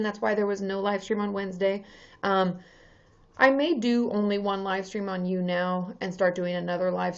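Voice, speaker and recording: A therapist in her thirties chats casually on a live stream, greeting viewers by name and using plenty of ums. Her medium-pitched voice is slightly hoarse, and the recording has its highs cut off.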